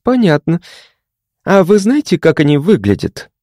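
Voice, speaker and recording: A man's voice: fairly high pitch, huge pitch swings, normal speed, dark tone, dry recording, studio quality, voice pushed up. A man voicing a polite, curious young woman psychiatrist who asks careful questions.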